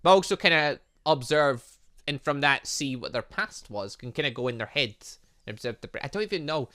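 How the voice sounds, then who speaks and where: A man giving excitable, rambling commentary as he plays through a game, often thinking aloud. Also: mid-range voice, a little fast. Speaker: gaming channel host.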